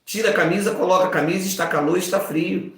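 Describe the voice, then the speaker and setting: A man's voice: sits high, fast, vocal fry. A man in his fifties preaching an informal sermon, acting out voices and jokes. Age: 50s. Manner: animated, acts out voices and jokes. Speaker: pastor. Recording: very echoey room.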